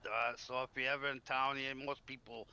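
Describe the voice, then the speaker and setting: A man's voice: medium pitch, flat delivery, normal speed, pushed and bright, smooth, dull audio. A man chatting in character in an online roleplay game, explaining things in a chatty way. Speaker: roleplay gamer playing a trader. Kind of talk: improvised in-character casual chat. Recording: noisy game voice chat.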